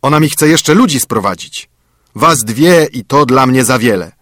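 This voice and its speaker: Storybook dwarf, male, tiny, bearded, thin high voice, huffy and loud, put on by a male narrator. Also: lively intonation, normal speed, no room sound, clean studio sound, close to an everyday voice. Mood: scolding. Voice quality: thin, shrill voice. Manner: scolding, snapping, whining. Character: grumpy ungrateful little bearded male dwarf.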